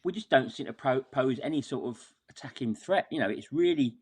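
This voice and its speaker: A man's voice: mid-range voice, brisk, breathy edge. A man talking casually through a football match as a podcast guest, wordy and exasperated, often repeating words as he goes.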